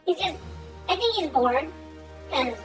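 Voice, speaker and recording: A woman's voice: high voice, animated, unhurried. A young woman streaming a game, chatting casually and reading its story text aloud, and tripping over the fantasy names. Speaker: live streamer. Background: game music.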